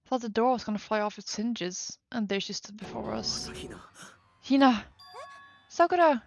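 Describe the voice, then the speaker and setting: A woman's voice: medium pitch, steady tone, fairly quick, gravelly, highs cut off, faint music behind. A woman streamer reading a game's story aloud live, narrating and doing all the parts.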